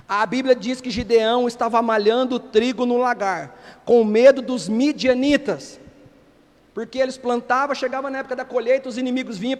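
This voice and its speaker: A man with a very high-pitched voice preaches with a Brazilian Portuguese accent, his words ringing out with a long tail of echo through a church hall. He swings from loud, drawn-out emphasis to quiet asides and acts out Bible scenes in casual, everyday voices. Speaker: pastor. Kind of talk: lively sermon with acted Bible scenes.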